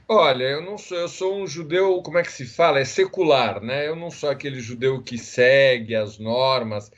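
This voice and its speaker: A man in his sixties, from Israel, speaking as a psychiatrist guest in a casual interview, telling his story in a measured, unhurried way. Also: medium pitch, highs cut off. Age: 60s.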